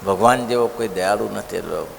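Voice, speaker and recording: A male preacher giving a devotional scripture discourse, telling stories in an animated way and asking the listeners rhetorical questions. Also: lowish voice, moderate pace, creaky. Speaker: religious preacher. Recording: long hall reverb, faint noise.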